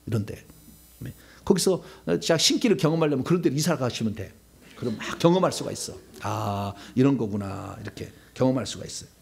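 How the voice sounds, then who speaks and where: A male pastor preaching a sermon, swinging between loud outbursts and hushed asides. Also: on the high side, expressive, quick pace, vocal fry, slightly rough.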